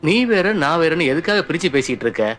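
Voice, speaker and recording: A scheming uncle in a dubbed film. His bright voice swings widely as he coaxes and bullies, with a faint score behind him. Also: on the high side, animated, fast talker, soft background music. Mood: pleading. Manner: insistent, bullying. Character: scheming male uncle, bullying and pushy.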